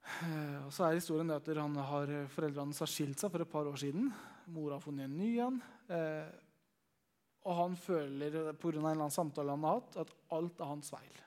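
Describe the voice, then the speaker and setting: A man's voice: fairly high pitch, fairly even intonation, a little mellow. A young man telling a Christian testimony, chatty and full of fillers. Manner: storytelling, conversational with many fillers. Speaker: Christian youth leader giving testimony.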